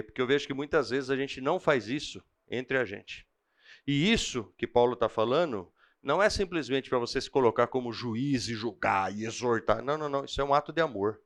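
Chatty Brazilian man telling a church-class story. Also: medium pitch. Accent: Brazilian Portuguese. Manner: animated storyteller, slangy and chatty. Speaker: Bible class teacher. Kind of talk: church class teaching with personal stories.

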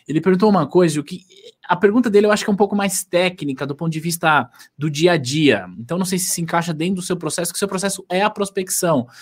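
Joking host, slightly high voice. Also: male voice. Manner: rambling, joking, many fillers and restarts. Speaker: host reading viewer questions. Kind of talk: casual live-stream chat.

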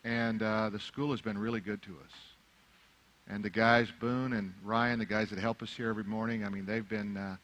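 A man's voice: on the low side, steady tone, normal speed, a bit bright. A middle-aged man whose first language is Arabic, preaching a sermon that moves from easy conversational remarks to fervent, rising exhortation. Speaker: pastor.

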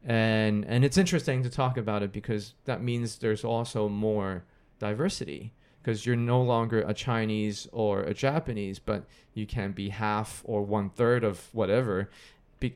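A young married man from Hong Kong, a guest in a casual podcast chat, talking in a quick, chatty way and greeting his live viewers. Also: fairly low pitch, darkish tone, clean tone.

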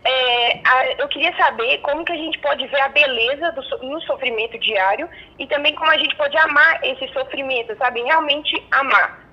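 A woman's voice: sits high, normal speed. A woman caller speaking over the phone on a live show, talking in a cheerful, effusive casual way. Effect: heard over the phone. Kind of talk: casual chat. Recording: tinny phone line.

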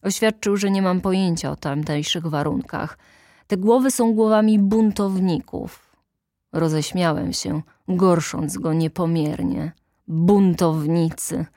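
Woman narrator, unhurried, deliberate; dry close-mic audiobook read. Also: lowish voice, darkish tone, dry recording. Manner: measured, deliberate, dramatic pauses. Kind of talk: literary audiobook reading.

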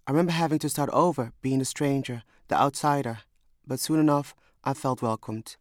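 A young man from Somalia narrates his memoir. His voice sits at a middle pitch, and his delivery is measured and reflective. The sound is dry, with little room around it. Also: fairly even intonation, no echo. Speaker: storyteller. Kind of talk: scripted first-person memoir narration.

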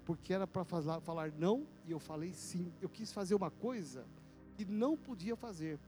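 A male pastor, telling a personal story in a sermon with vivid, animated delivery and sound effects. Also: high voice, moderate pace, faint music behind.

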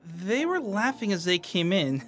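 A woman's voice: medium pitch, very animated, measured pace. A woman playing a goofy, sarcastic young male music store worker in an audio drama, with a cheeky, theatrical delivery. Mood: cheery. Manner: theatrical, cheeky, mock-pleading. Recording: music behind the voice.

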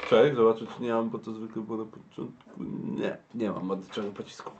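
A man's voice: fairly low pitch, fairly even intonation, fast, darkish tone, distant mic. A man playing a wizard at a tabletop role-playing game, chatting casually and joking. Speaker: player. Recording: muffled lo-fi recording with faint hiss.

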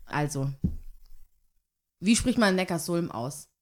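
A young woman co-hosts a casual podcast with eager enthusiasm. Her pitch moves in lively swings, and she laughs easily as she talks. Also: brisk. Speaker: podcast co-host. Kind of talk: casual chat.

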